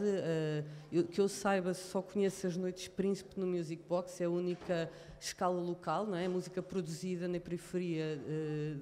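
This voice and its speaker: A woman asking from the floor, thinking aloud with many pauses and fillers. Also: medium pitch, dark tone, in a large hall. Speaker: audience member. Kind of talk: question from the floor.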